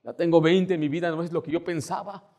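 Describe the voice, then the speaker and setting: Male pastor, high voice, animated conversational sermon with acted-out quotes. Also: fairly quick. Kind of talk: Baptist sermon.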